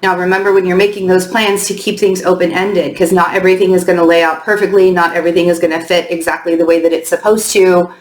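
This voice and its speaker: A woman giving a chatty weekly astrology and tarot update, her voice slightly hoarse as she loses it, with frequent ums. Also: fairly low pitch, little pitch movement, fast, hardly any pauses, reverberant, poor audio. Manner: chatty, with many ums and loose restarts.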